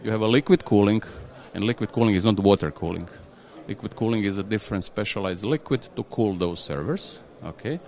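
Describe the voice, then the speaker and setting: A man speaking as an executive guest, his voice sitting very low. He talks haltingly, restarting phrases and checking in with "yeah?". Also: a little mellow. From Croatia. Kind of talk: conversational interview.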